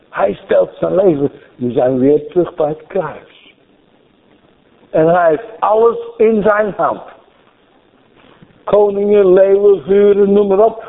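A man preaching a storytelling sermon, animated and repeating phrases for emphasis, heard through a thin, phone-like radio broadcast. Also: high-pitched.

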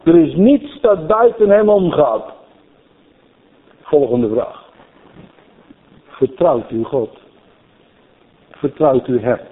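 A man preaching a storytelling sermon, animated and repeating phrases for emphasis, heard through a thin, phone-like radio broadcast. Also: on the high side.

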